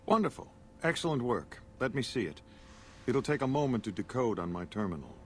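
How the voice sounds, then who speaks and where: A man's voice: mid-range voice, big pitch swings, brisk, slight background noise, natural voice. A man voicing a cold, arrogant scientist. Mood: dismissive. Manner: condescending, dismissive. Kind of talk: video game dialogue.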